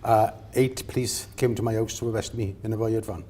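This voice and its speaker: Older Welsh man, low and mellow. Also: fairly even intonation, fairly quick, slightly rough. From Wales. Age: 70s. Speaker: interviewee. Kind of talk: documentary interview.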